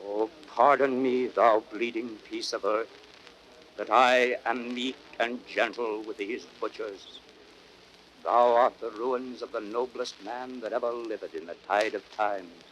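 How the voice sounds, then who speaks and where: A man's voice: mid-range voice, steady tone, fairly bright tone, close to an everyday voice. Actor as declaiming Roman nobleman on noisy old radio. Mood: grieving, bitter. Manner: declamatory, theatrical, measured verse delivery. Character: Mark Antony, grieving Roman nobleman turned vengeful orator. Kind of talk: 1930s American radio Shakespeare acting. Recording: noisy old 1930s radio broadcast recording.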